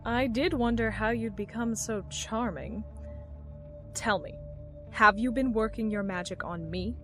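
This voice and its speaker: An actress playing a cool, commanding, mocking leader in an audio drama, with dry, controlled delivery. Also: female voice, fairly high pitch, unhurried, a bit bright, soft background music. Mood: coolly intrigued. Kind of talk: full-cast audio drama acting.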